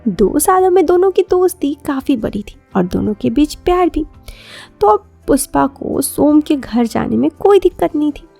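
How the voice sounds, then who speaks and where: A woman's voice: sits high, very animated, moderate pace, creaky, dark tone, soft background music. A woman narrating a scripted romantic story as a podcast storyteller.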